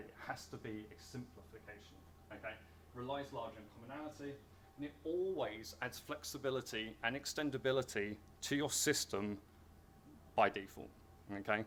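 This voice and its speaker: Noticeable background noise runs under this recording. A man speaks at medium pitch with ordinary pitch variation. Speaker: game studio tech director giving a conference talk. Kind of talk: conference talk with Q&A. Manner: fast.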